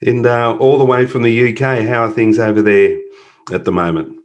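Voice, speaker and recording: A man's voice: medium pitch, steady tone, normal speed, muffled recording. A man hosting an interview show over a video call, chatty and jokey with an upbeat, enthusiastic manner. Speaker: podcast host. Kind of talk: casual interview chat.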